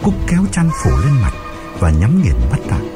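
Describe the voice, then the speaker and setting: A man's voice: mid-range voice, huge pitch swings, fairly quick. A man narrating a ghost story in a suspenseful, dramatic audiobook style, over background music.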